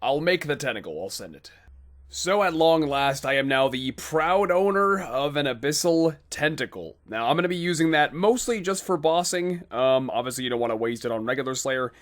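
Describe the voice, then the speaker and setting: Midwestern dude on a headset, kinda high voice, rambly and laughing while gaming. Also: male voice, animated, normal speed. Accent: Midwestern American. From North Dakota, USA. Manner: rambling, upbeat, laughs easily. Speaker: gaming video host. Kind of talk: casual gameplay chat and commentary.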